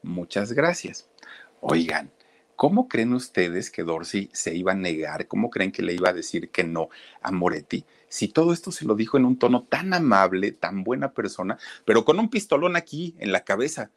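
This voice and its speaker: A man's voice: on the low side, big pitch swings, normal speed, no echo. A man telling a life story casually, addressing viewers directly with many fillers.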